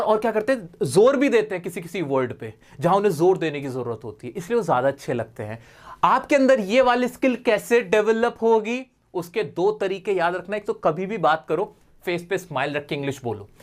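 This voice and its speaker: A man teaching spoken English online in a lively, coaxing way, repeating points and asking rhetorical questions. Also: high voice. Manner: lively, coaxing, affectionate toward students.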